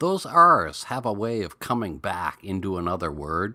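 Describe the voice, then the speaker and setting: In a very clean recording with a silent background, a man with a New England accent talks at a very slow pace, his fairly low voice bright and sharp in tone. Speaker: pipe smoking livestream host. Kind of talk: casual livestream chat. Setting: live stream.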